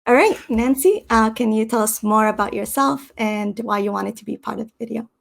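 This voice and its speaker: A woman hosting her channel, talking casually and haltingly with many ums and uhs. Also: on the high side, gravelly. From Canada. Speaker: channel host. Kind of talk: casual explanatory talk. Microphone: stream setup.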